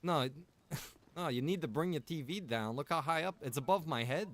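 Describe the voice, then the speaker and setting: A man chatting casually in game roleplay, repeating himself and pausing as he talks. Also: on the high side, fairly bright tone. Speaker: roleplay game streamer and server developer.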